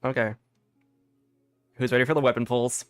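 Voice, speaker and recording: A man's voice: medium pitch, normal speed, clear, resonant tone, dry recording. Dry-sounding young man streaming games. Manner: excitable, rambling, repeats words. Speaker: game streamer. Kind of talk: casual live gameplay commentary. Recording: dry close sound with game music.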